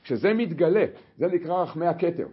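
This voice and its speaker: Husky man teaching a Torah lesson. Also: fairly high pitch, lo-fi sound. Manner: animated storytelling with many restarts. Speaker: religious teacher.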